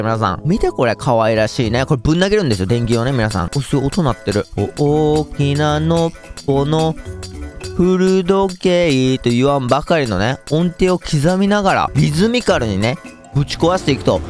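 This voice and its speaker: A young man with a lilt, commentating a game in an excitable, joking way. His pitch jumps around a lot and sits a little high. Faint music plays behind him. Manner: excitable, jokey, talks to viewers. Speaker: gaming YouTuber.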